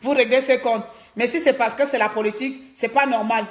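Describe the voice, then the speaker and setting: A woman's voice: a little high, fairly even intonation, a little fast. Indignant woman, Cameroonian French accent. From Gabon. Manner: indignant, repeats words while searching for them. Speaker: online commentator. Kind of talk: livestreamed rant. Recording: roomy echo.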